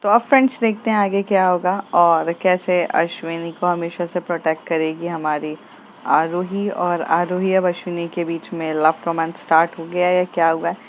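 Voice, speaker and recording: A woman's voice: fairly low pitch, steady tone, moderate pace, dull audio, slight background noise. A woman casually narrating a romance story with chatty fillers.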